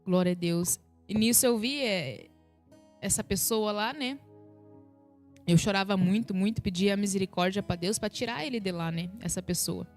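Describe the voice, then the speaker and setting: A woman's voice: mid-range voice, moderate pace, soft background music. A woman giving an emotional spiritual testimony on a live stream, often turning to her listeners as brothers and sisters. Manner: emotional retelling, repeats "sabe, meus irmãos". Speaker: guest giving a religious testimony.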